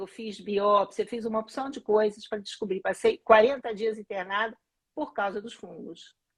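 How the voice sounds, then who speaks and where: Her pitch fairly high and her intonation fairly even, a woman talks at a moderate pace. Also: big swings in loudness. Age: 60s. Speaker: retired teacher, client testimonial. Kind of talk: testimony. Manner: halting.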